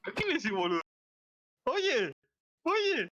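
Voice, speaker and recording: A person improvising a game roleplay with friends in an excitable, theatrical way over online voice chat. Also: high voice, a little slow. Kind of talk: improvised Minecraft roleplay chatter. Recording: dull, slightly noisy gaming mic.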